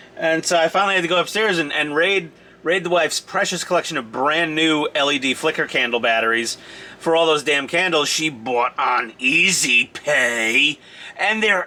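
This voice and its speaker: A man's put-on character voice, angry in tone and fairly high in pitch. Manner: angry, ranting.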